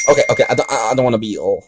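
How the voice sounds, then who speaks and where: A man doing an amateur read-aloud of a story with casual side comments, in a halting way that stumbles over words. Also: mid-range voice, slight background noise. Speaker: fan fiction reader and commentator.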